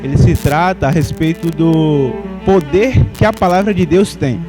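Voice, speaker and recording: A man's voice: a little high, unhurried, music in the background, poor audio. A man from Salvador, Brazil, preaching a sermon in a conversational way and putting questions to the congregation.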